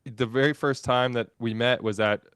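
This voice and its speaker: A man's voice: mid-range voice, fairly even intonation, normal speed, fairly bright tone, smooth, no room sound, studio quality. A man chatting casually on a live stream over a video call, telling a rambling story with many restarts. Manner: rambling, restarts and self-corrections.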